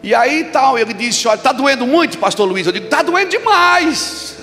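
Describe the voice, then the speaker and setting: A man preaching at a church conference, telling a story and then shouting emphatic declarations to the congregation. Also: very high-pitched, lively intonation, a little fast. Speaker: pastor. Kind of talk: sermon with storytelling. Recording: long reverb of a large hall with music.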